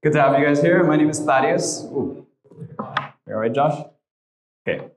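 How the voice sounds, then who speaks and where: A young man with a Trinidadian accent, from Trinidad and Tobago, teaches a church class and prays with the group, sprinkling in many "right?" tags. His fairly high voice is animated at a moderate pace, with slight background noise.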